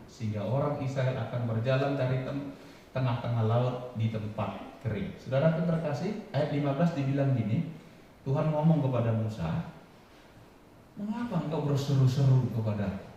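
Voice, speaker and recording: A man preaching a sermon, often rising to loud, high, emphatic lines and quizzing the congregation. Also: lo-fi sound, a little hiss or hum. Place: large church hall. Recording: echoey hall from far off.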